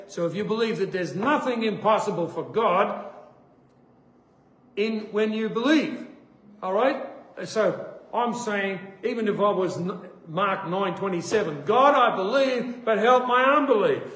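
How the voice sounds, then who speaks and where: A man giving a sermon testimony, an animated storyteller who acts out the voices in his stories. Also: sits high, a little slow. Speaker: preacher. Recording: echoey room with faint noise.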